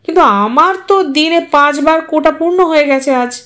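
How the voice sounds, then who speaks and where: Sharp-tongued young wife, voiced by a woman narrator, snappish, scolding, high voice. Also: moderate pace. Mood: fretful.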